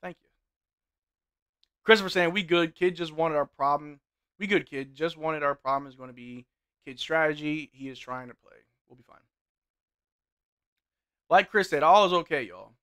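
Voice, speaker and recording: Young guy streaming a watch-along, kinda hoarse, highish bright voice, small room desk mic. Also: normal speed, long pauses. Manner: play-by-play calls mixed with relaxed banter. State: voice getting hoarse. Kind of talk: live game commentary and chat reading. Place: small indoor room with gaming chair.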